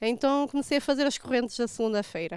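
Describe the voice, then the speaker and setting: A woman with a European Portuguese accent speaks in a high voice. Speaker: church member giving testimony. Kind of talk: testimony. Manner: halting.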